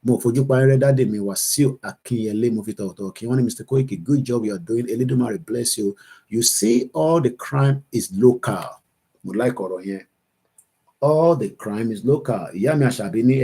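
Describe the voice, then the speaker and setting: Mellow and husky at a medium pitch, a Nigerian host with a Yoruba accent reads viewer comments on his online political livestream. He switches back and forth between English and Yoruba.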